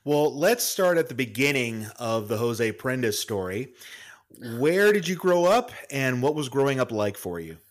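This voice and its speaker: A man in his forties hosting a podcast, asking interview questions in a measured, attentive way. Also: mid-range voice, big pitch swings. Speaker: podcast host.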